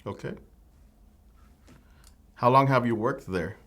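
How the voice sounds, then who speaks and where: A man's voice: medium pitch, takes it slowly, a bit bright. Formal man asking interview questions. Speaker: mock immigration officer. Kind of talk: scripted mock interview.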